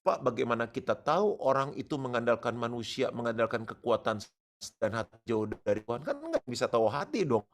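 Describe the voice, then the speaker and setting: A male pastor preaching a sermon, animated and joking, slipping English words into his talk. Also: medium pitch, fairly quick.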